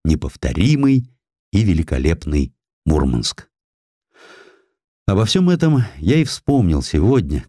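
Deep, mellow male narrator, dry studio sound. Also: no echo. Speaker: audiobook narrator. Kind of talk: dramatic scripted narration of historical prose. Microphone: close studio microphone.

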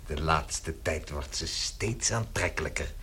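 An actor playing a middle-aged father in a radio play, measured and authoritative. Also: very deep voice, bright, forceful tone, slight background noise, full character voice. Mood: contented. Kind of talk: 1960s radio play acting.

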